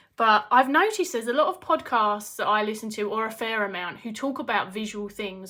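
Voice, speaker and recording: A woman with a British accent speaks at a moderate pace in a bright, sharp tone and a fairly high pitch. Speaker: tarot reader and video creator. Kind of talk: live stream chat reading viewer comments. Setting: home live stream. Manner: rambling, casual.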